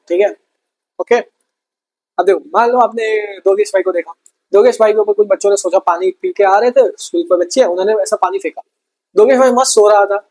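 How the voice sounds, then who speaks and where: A man's voice: high-pitched, darkish tone, poor audio. Young guy teaching science, chatty, keeps saying bhai, repeats terms. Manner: chatty, addresses students as brother, repeats key terms. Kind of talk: exam-prep lesson.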